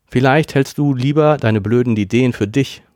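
A man's voice: mid-range voice, normal speed, a little mellow, no room sound, clean studio sound, voice pushed up, natural voice. Man voicing a blunt teenage girl Karen. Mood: dry, guarded.

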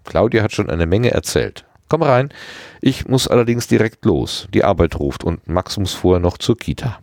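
A man reading aloud and voicing a busy, hurried mother with a raised, brisk voice. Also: lowish voice, lively intonation, gravelly, darkish tone, dry recording, clean studio sound, voice pushed up.

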